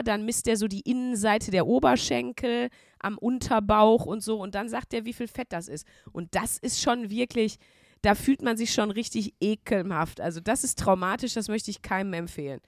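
A woman co-hosting a casual chat podcast, telling anecdotes and slowly mimicking the people in them. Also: a little high, gravelly, no echo, studio quality. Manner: storytelling, mimics callers in a slow flat voice. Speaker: podcast co-host.

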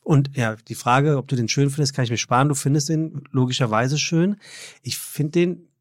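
A man hosting a casual podcast, asking quick, teasing questions in a colloquial way. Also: medium pitch, no echo, studio quality. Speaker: podcast host.

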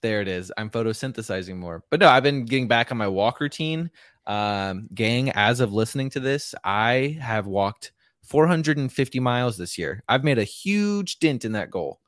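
A man's voice: medium pitch, animated, moderate pace, fairly bright tone, no echo. A man co-hosting a casual podcast, talking in a chatty, rambling way with lots of "like", on a handheld microphone. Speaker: podcast co-host.

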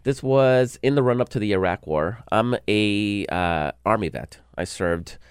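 Smooth-voiced man from El Salvador. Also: on the low side, a little slow, no echo, studio quality. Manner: earnest, restarts and repeats words. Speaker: guest, political blogger. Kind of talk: casual political discussion.

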